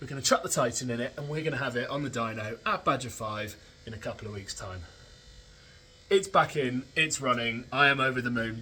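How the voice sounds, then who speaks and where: At a fairly quick pace, a man speaks with a bright, sharp tone, medium pitch and ordinary pitch variation. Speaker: amateur racing driver and channel host. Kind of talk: casual vlog to camera. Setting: garage. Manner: animated.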